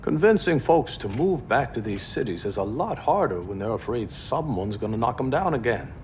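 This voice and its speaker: An actor playing a calm, practical business executive in a game cutscene, with a reasoned delivery. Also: male voice, mid-range voice, normal speed, a little hiss or hum, lightly acted. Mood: concerned. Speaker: game character.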